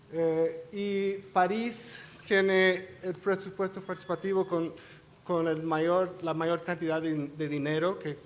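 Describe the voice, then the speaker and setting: A man's voice: fairly high pitch, slight background noise. Hesitant man, non-native Spanish speaker. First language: not Spanish. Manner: hesitant, many restarts and fillers. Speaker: seminar speaker. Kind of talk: academic talk. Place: conference hall.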